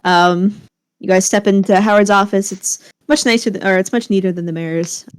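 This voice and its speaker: A woman's voice: medium pitch, fairly even intonation, moderate pace, clear, resonant tone, no echo. Casual American woman running a tabletop game. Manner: casual, hesitant, conversational. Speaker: game master. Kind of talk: improvised tabletop game narration.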